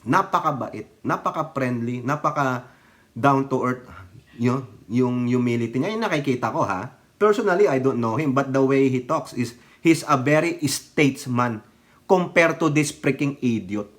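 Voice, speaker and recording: A man's voice: medium pitch, expressive, moderate pace. A Filipino-accented man in his fifties giving mocking, laughing political commentary in a casual vlog, switching languages and swearing. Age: 50s.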